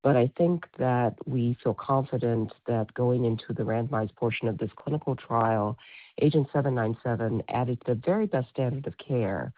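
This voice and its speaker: Male medical expert on a thin, phone-like call line, dry sound, mid voice, careful halting explanations. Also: mid-range voice, steady tone, no echo. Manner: deliberate, halting. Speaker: physician and company medical expert. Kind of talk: explanatory earnings call answer.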